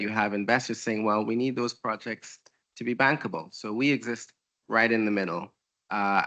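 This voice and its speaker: A man from Trinidad and Tobago with a Trinidadian accent, speaking as a panelist on a conference stage in a measured, explanatory way. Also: on the low side, a bit bright, lo-fi sound. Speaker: panelist, energy entrepreneur.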